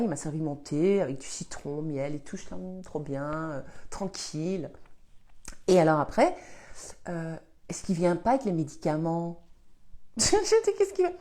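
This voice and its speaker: A woman's voice: on the low side, very animated, unhurried, dark tone. Belgian woman in her fifties, slight cold, casual chatty live host who laughs through her stories. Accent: Belgian French. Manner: chatty, laughs often, rambling anecdotes. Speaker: host answering live questions. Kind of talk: casual storytelling chat.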